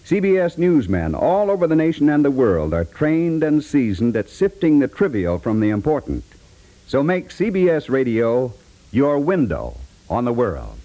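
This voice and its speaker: Male, American accent, mellow tone, animated intonation, polished measured announcer, scripted 1950s radio promo. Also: medium pitch, poor audio.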